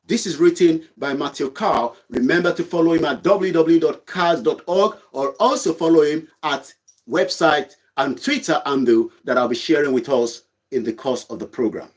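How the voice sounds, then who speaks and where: A man's voice: on the high side, moderate pace. A man hosting an online news show, reading out an article and commenting on it emphatically. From Nigeria. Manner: emphatic, preachy, repeats points.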